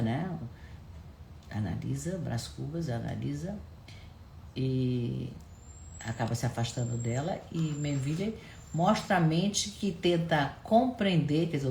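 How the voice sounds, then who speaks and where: Low-voiced woman hosting a live stream. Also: gravelly, roomy sound, a little hiss or hum. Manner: animated storytelling, frequent "né?" tag questions. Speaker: live-stream host discussing books and films. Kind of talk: casual live-stream talk. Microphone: camera at close range.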